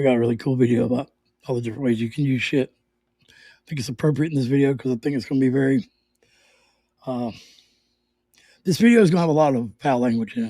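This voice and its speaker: A man with a dark, mellow tone and medium pitch speaks at a very fast pace with ordinary pitch variation. Long, frequent pauses break up his speech. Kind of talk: casual talk to camera. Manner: rambling, profane.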